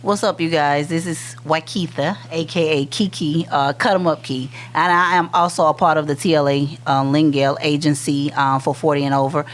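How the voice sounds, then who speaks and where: A woman's voice: low-pitched, steady tone, moderate pace, hardly any pauses. Easygoing woman in her forties. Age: 40s. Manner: easygoing, frequent ums. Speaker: model and clothing designer, guest. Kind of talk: casual chat.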